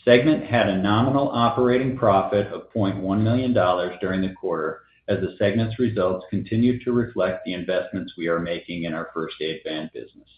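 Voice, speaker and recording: A man's voice: sits low, a little fast, hardly any pauses. A man in the role of a company finance executive, formally reading a scripted earnings presentation. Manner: formal, reading prepared figures. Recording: echoey, slightly dull conference call audio.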